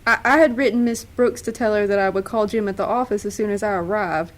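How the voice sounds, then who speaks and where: A woman's voice: medium pitch, fast, natural voice. A woman playing a polite, secretly scheming visitor in an amateur radio-style mystery. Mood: hesitant. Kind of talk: amateur radio-play acting. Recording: faint background noise.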